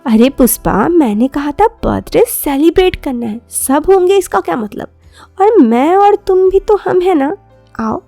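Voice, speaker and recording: Coaxing young boyfriend, voiced by a high-pitched woman. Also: animated, a little slow, mellow, no echo, soft background music. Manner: coaxing, insistent. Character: young college man, smitten, coaxing, insistent boyfriend.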